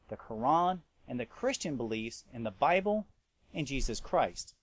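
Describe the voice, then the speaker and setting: A man hosting an interview show, reading a measured scripted introduction and then questioning a guest. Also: on the high side, no echo. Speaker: host.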